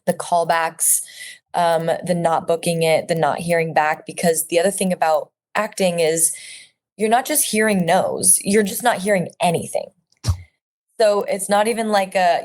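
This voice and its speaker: This actress in her thirties, an Orange County, California native, talks with a fairly low, slightly mellow pitch. As a guest in a relaxed interview, she comes across as earnest and reflective, often restarting and filling pauses.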